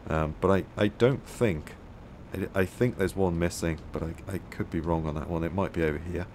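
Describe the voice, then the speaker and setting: A man musing aloud as he plays a game, his voice a little hoarse, with many fillers. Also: deep voice, normal speed, a little mellow, slight background noise. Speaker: gameplay video host. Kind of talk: casual gameplay commentary.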